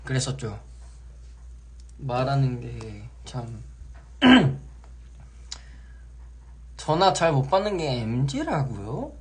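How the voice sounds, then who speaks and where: A man's voice: mid-range voice, slow pace, long pauses. Young man chatting on a live stream. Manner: relaxed, chatty, acts out his own phone voices. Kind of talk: casual live-stream chat.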